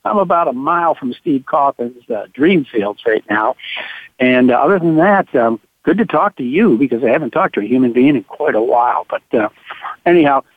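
A man hosting a racing radio show over a thin, phone-like line, his voice slightly hoarse. He stops often with "uh" and lifts with enthusiasm when he talks about winners. The sound is dry and close. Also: mid-range voice, expressive, dry recording. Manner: halting, full of uh fillers, enthusiastic about winners. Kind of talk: horse racing talk radio. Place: at home on a farm.

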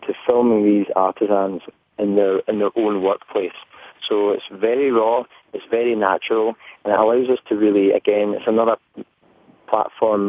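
Man, broad Scottish accent, lowish pitch, earnest radio interview guest, thin telephone sound. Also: dry recording. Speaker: interview guest, brand representative. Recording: narrow, tinny phone line.

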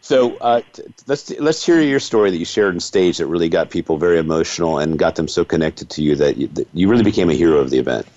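A man's voice: low-pitched, expressive, fast talker, a little mellow, no echo. A man hosting an interview in a conversational style, effusive and complimentary toward his guest. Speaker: interview host. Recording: slightly dull, dry audio.

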